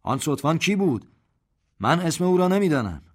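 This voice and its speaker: A man voicing a proud, white-haired army general who gives orders in a raised, loud voice. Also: mid-range voice, voice pushed up, lightly acted. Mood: commanding.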